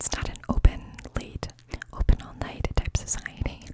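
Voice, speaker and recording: A woman talks at a medium tempo. She is soft-spoken. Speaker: video creator. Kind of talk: casual soft-spoken chat. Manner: soft, close-mic ASMR voice. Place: home room. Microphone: studio mic.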